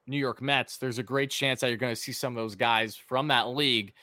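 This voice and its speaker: Dry-voiced sports podcast co-host. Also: male voice, mid-range voice, steady tone, fairly quick, pushed and bright, no echo. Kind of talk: casual sports podcast chat.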